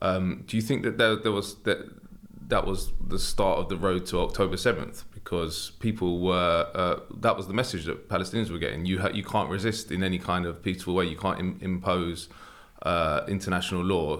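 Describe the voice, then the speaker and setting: A man talks with a British accent. His pitch is very deep and low. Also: fairly even intonation, moderate pace. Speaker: investigative journalist and interviewer. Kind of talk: panel interview. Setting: studio.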